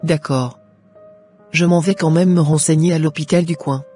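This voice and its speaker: A headstrong young orphaned daughter, acted by a woman in a Christian cartoon. Her voice is dark and mellow, her delivery dramatic and full of regret. Light music plays underneath. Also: low voice, steady tone, moderate pace, close to an everyday voice. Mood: tense. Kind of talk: amateur Christian cartoon dubbing.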